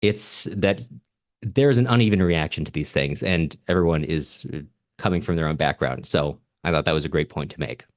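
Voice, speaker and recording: A man's voice: rumbling low, moderate pace, no echo, clean studio sound. A man co-hosting a casual literary discussion, talking in an earnest, analytical way. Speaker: podcast co-host discussing literature.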